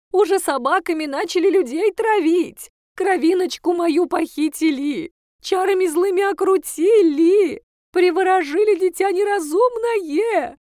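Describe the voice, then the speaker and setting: A woman's voice: a little mellow, no room sound, studio quality, natural voice. A woman voicing a hysterical older mother who wails and laments theatrically in a storybook reading. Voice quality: shrill, wailing. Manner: drawn-out melodramatic lamenting.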